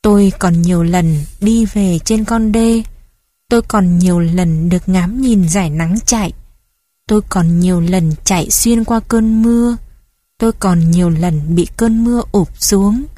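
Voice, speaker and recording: A woman reading a first-person memoir story aloud in a gentle, reflective storytelling manner. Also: medium pitch, a little slow, no echo. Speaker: narrator. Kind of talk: scripted narration of a memoir story.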